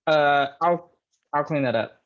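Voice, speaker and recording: A slightly muffled recording of a man acting a shy customer in a drama read-through. His voice is a little high. He is curious and smitten, and hesitates bashfully. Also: measured pace, lightly acted. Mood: curious, hesitant. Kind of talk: script table read acting.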